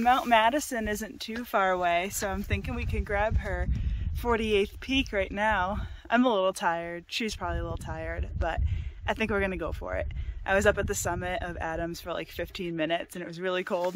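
A young woman in her twenties vlogging on a hike, filming herself at arm's length outdoors and chatting to her dog in a high sing-song voice. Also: fairly even intonation, moderate pace, a little hiss or hum. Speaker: hiking vlogger. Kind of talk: casual vlog with voice-over narration. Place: outdoors on a windy mountain trail. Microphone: camera held at arm's length.

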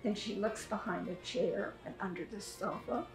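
An elderly woman reading aloud to young children as a preschool teacher, with simple, deliberate phrasing. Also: mid-range voice. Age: 70s or older. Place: furnished sitting room indoors. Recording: echoey room, music behind.

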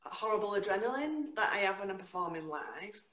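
Middle-aged woman, Northern English accent, expressive spoken word poet, medium pitch, roomy echo, video call from home. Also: a little fast. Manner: lively, dramatic delivery with sudden jumps in pitch. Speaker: guest poet. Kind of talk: spoken word performance and casual chat. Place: home room, indoors. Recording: echoey room on a video call.

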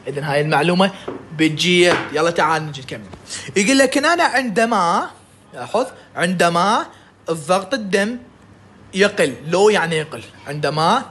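A man with an Iraqi Arabic accent giving a recorded medical lecture, lively and jokey, often checking in with his students. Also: sits high, a little hiss or hum.

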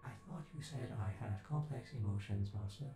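A man's voice: on the low side, brisk, close to an everyday voice. A man voicing a polite, servile robot butler in an ASMR roleplay, speaking formally and deferentially. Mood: deferential, miffed. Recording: echoey, with background music.

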